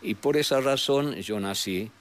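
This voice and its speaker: An older man with a northwestern Argentine accent, telling memories as an interview guest in a rambling, halting way with frequent tag questions. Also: medium pitch. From San Salvador de Jujuy, Argentina. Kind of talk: reminiscing in a conversational interview. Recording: noticeable background noise.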